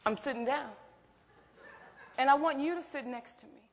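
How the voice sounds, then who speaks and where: A woman's voice: high-pitched, normal speed. A woman acting in a stage play as a protective, outspoken best friend, blunt, probing and emphatic. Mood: firm. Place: theatre stage. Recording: echoey theatre hall.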